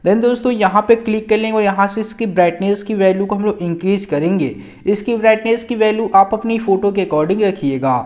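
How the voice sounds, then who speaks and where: A man's voice: high-pitched, darkish tone. A man casually narrating a step-by-step photo editing app tutorial as the channel's host, talking chattily to his viewers with lots of filler words. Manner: chatty, keeps calling out to friends and guys, frequent filler particles.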